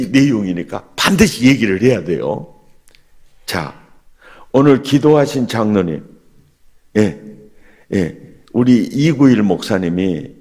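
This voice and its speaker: A man preaching a revival sermon as pastor, animated and asking the congregation questions. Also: lowish voice, breathy edge. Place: church sanctuary. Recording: long hall reverb in church.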